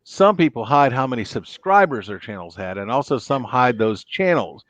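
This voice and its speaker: A man's voice: medium pitch, expressive, moderate pace, a bit bright, no room sound. A middle-aged man with an American accent, chatting casually as a livestream host and reading out comments. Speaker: livestream host, former law enforcement officer. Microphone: close microphone on a boom arm.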